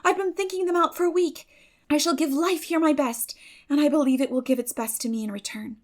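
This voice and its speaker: Woman playing an eager, high-voiced teenage girl. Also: a little fast, close to an everyday voice. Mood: determined, hopeful. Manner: eager, effusive, dreamy, emphatic. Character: bright, determined, idealistic sixteen-year-old girl. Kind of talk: dramatic audiobook reading of a classic novel.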